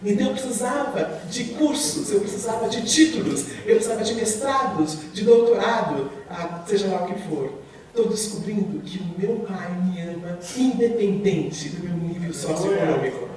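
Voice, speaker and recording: A woman giving an earnest testimony sermon in a church, speaking with emphasis and addressing the congregation warmly. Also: mid-range voice, expressive, moderate pace, a crowd in the background. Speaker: speaker at a church recovery program. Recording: very echoey hall, from far off.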